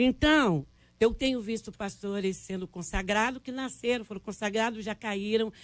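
A woman at a moderate pace, with ordinary pitch variation and big swings in loudness. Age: 60s. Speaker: pastor. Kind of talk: radio panel debate. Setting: radio studio. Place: studio.

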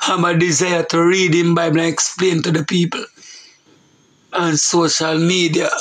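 A man with a high voice speaks at a moderate pace with long, frequent pauses, and background noise is noticeable. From Jamaica. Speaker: street preacher and talk show personality. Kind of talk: preaching talk show monologue. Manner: animated.

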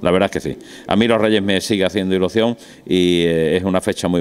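At a fairly quick pace, a man with a very deep, low voice speaks with fairly even intonation. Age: 50s. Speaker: businessman and brotherhood president; interviewee. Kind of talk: interview. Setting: dinner event. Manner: halting. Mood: warm, festive. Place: bar. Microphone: handheld.

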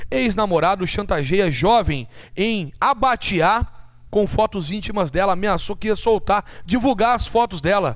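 Speaking with high pitch and lively intonation, a man sounds animated, his loudness very even over a quiet background. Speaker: news anchor host. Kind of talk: casual, opinionated news anchor banter. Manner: animated, colloquial, chatty. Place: studio. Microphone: headset.

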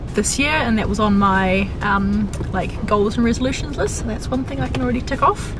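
A woman speaks at a fairly quick pace. Music plays in the background, and the sound is dry with no echo. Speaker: travel vlogger. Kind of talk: casual vlog chat. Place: car. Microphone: phone near.

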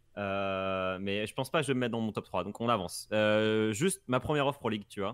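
On a very clean recording with a silent background, an unremarkable speaking voice talks with ordinary pitch variation. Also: man, fairly low pitch for a man. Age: young. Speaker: pro esports player. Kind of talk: interview.

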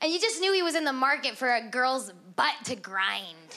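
Pitch rises and falls very widely as a woman talks. She uses a raised, projected voice. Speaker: stand-up comedian. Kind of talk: stand-up comedy set. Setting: stage with audience. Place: stage. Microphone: handheld.

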